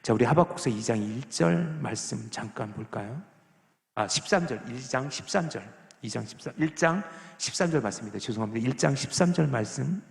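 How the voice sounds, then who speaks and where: A man preaching a Sunday morning sermon in a church, asking the congregation rhetorical questions and swinging from hushed to loud and emphatic. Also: medium pitch, animated, brisk, creaky. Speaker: pastor. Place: church sanctuary. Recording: echoey church hall with long reverb.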